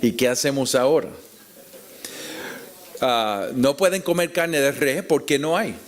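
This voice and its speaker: Slow-paced Puerto Rican man teaching. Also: mid-range voice. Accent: Puerto Rican Spanish. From Puerto Rico. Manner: deliberate, explanatory, with rhetorical questions. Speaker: preacher teaching at a conference. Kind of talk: expository Bible teaching to an audience.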